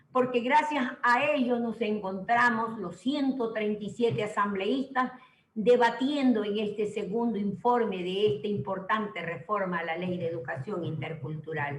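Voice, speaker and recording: Speaking at a fairly slow pace with hardly any pauses, a woman uses a fairly high pitch and lively intonation over noticeable background noise. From Ecuador. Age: 70s. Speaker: legislator, former teacher. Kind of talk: parliamentary speech. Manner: formal.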